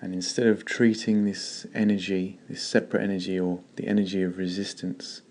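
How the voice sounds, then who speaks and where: A man leading a guided meditation in a slow, calm, gentle way with long pauses. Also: low voice.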